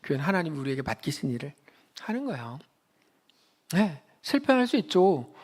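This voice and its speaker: A male pastor preaching a Sunday sermon in a church, telling stories and acting out quotes, swinging between loud emphatic peaks and quiet low asides. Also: very animated, a little fast. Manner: storytelling, acts out quotes in a child's voice. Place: church sanctuary.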